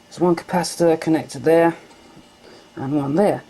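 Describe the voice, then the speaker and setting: A woman calmly explaining step by step as she unpacks and tests old equipment at home. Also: low-pitched, normal speed, slightly rough, poor audio. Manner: calm step-by-step explaining while handling equipment. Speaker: hobbyist vlogger. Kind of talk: casual demonstration narration. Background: faint machine hum.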